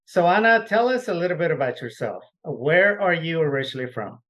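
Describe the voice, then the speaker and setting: A man hosting an interview podcast, opening with a formal, measured introduction before asking his guest questions. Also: a little high, sing-song, a bit bright, lo-fi sound. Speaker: podcast host. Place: Texas.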